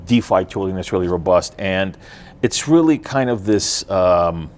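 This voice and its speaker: Speaking as a guest in a casual interview, this Russian-speaking man from Ukraine explains blockchain tech in an animated, deep and slightly mellow voice. His answers come out haltingly, broken up by frequent fillers and restarts.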